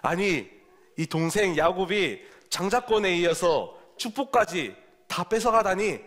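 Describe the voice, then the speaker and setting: A hot-tempered young hunter son, as a man acts him out in a storytelling sermon. His lines come out raised and indignant, a little high. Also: big pitch swings, a little slow, fairly bright tone, full character voice.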